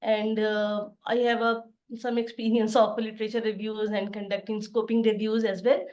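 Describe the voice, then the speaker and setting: A middle-aged woman from Pakistan, an assistant professor, gives an online lecture over a video call, explaining plainly with frequent pauses. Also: medium pitch, flat delivery, a little mellow, highs cut off. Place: home study with bookshelves behind.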